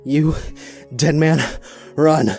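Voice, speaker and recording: A man's voice: on the high side, fairly even intonation, very slow, gravelly, warm tone, faint music behind, exaggerated voice. A performer voicing a shy, terse teenage boy who mumbles. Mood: muttering.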